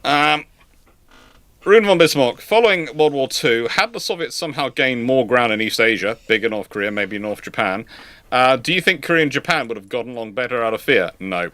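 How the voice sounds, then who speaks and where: A man's voice: mid-range voice, lively intonation, fairly quick, fairly bright tone, dry recording. A man hosting an informal live history Q&A, hesitant and repeating words as he thinks, with dry, wry humour. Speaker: host answering audience questions.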